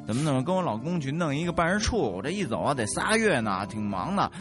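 Lively man telling a story. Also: medium pitch, fast talker, music in the background. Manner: animated, laughing, many restarts. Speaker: storyteller in a chat show. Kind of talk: casual storytelling chat.

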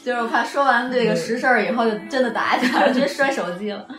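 A woman's voice: on the high side, racing, a loud crowd. A woman co-hosting a podcast in casual chat. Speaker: podcast co-host. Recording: roomy echo, music behind.

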